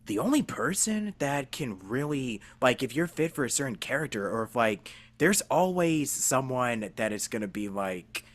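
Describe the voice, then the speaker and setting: A man's voice: mid-range voice, very animated, normal speed, hardly any pauses. A man hosting a casual podcast interview, earnest and rambling in the way he makes his points. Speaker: podcast host, voice actor.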